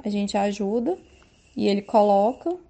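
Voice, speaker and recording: A woman in her thirties with a Brazilian Portuguese accent, calmly sharing parenting tips from her own home life in an unhurried, soft-spoken way. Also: mid-range voice, background noise. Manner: soft-spoken, unhurried, frequent tag questions. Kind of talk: calm personal testimony.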